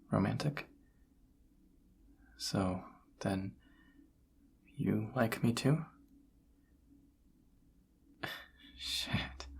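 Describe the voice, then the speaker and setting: A young man playing a flustered, lovestruck incubus in an intimate romantic audio roleplay, speaking haltingly in a breathy, husky voice. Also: on the low side, slight background noise, heavily acted. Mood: surprised, hopeful. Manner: halting, hesitant delivery with stammers.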